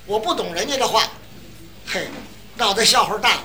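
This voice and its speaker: A man performing a comic crosstalk routine, telling stories in an animated way and mimicking dialects. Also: high voice, moderate pace, slight background noise. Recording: distant mic, live audience.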